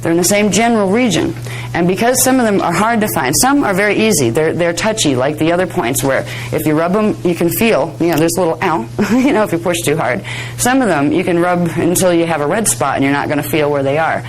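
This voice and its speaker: A woman with a slightly hoarse, raspy voice giving an informal workshop lecture in a chatty, conversational manner. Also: lowish voice, fairly quick, few pauses, slight background noise, rough recording. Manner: conversational, chatty, self-deprecating asides. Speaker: workshop instructor. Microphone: worn or held microphone close to the face.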